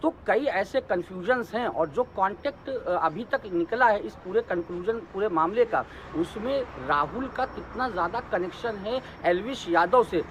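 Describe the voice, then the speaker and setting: A high-pitched male news reporter explains a story live. His delivery is halting and repetitive, with faint outdoor city noise and vehicles behind him. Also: lively intonation, a bit bright, poor audio.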